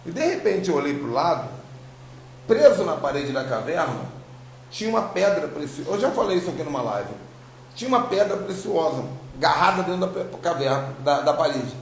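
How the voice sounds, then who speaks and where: With big swings in pitch and a fairly quick pace, a Brazilian apostle and religious teacher tells online followers his personal spiritual testimony in an informal, emphatic, repetitive style. He sounds gravelly and higher-voiced, with a slight tongue-tie. There's a roomy echo and faint noise behind him.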